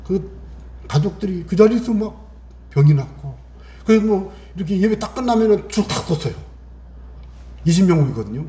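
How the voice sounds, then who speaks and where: A middle-aged male pastor preaches with a high voice that swings widely in pitch, with a warm, mellow tone. He keeps asking the congregation questions and plays out little scenes in other voices. The sound rings in an echoey church hall. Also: moderate pace, long pauses. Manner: animated preaching, acts out family voices and asks the congregation questions. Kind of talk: sermon.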